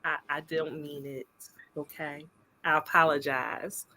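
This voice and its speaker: Bright-voiced young woman co-hosting. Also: low voice, flat delivery, unhurried, rough recording. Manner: laughs often, talks directly to the comments. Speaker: podcast co-host. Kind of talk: casual panel chat.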